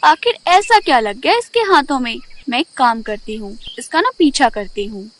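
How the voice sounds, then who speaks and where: Woman playing a high-voiced, scheming jealous village woman. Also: expressive, normal speed, fairly bright tone. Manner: scheming, self-satisfied. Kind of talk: animated storybook character voice.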